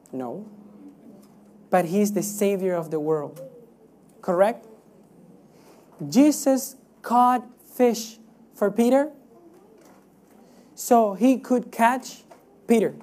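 A woman's voice: mid-range voice, dark tone. A woman from Cuba preaching a sermon in an emphatic, teaching way, with rhetorical questions and repeated phrases.

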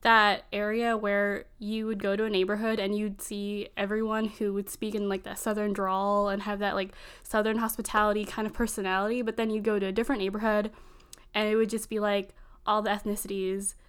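A woman's voice: medium pitch, little pitch movement, clear, resonant tone. A woman in her early twenties, a native Filipino speaker who grew up in Virginia, rambling casually and filling her talk with "like". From Virginia, United States. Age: early 20s. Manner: rambling, fills every pause with "like". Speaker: conversation partner. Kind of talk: casual chat.

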